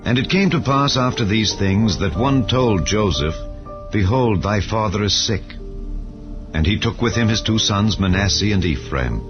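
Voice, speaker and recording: A man reading scripture as an audiobook narrator in a solemn, measured, deliberate way. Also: lowish voice, lively intonation. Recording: dull lo-fi audio, music underneath. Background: background music.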